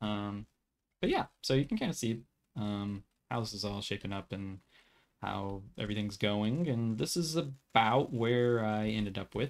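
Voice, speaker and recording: Speaking at a moderate pace, a man uses a fairly low pitch with ordinary pitch variation. It's an ordinary speaking voice. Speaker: 3D character artist giving feedback. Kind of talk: tutorial. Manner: casual, filler-heavy.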